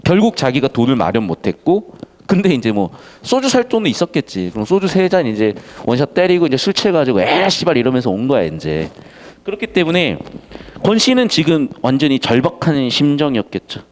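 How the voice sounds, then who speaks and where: Animated male literature teacher. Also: mid-range voice. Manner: casual, animated, acts out characters' lines in quick asides. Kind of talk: lively classroom lecture acting out a story.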